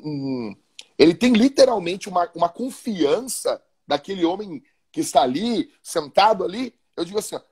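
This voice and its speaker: Husky, high-voiced pastor. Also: male voice. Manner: animated, colloquial, repeats and restarts words. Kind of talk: casual podcast talk about marriage.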